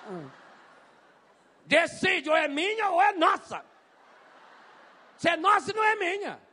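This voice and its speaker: A priest preaching a sermon, telling stories in an animated way and mimicking voices. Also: male voice, very high voice, measured pace. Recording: long hall reverb.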